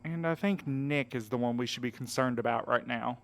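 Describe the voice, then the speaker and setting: An actor in an audio drama playing an earnest, protective friend, direct and plain-spoken with mild sarcasm. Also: male voice, mid-range voice, a little fast, gravelly, lightly acted. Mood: reassuring. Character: earnest, protective, exasperated male friend and mediator.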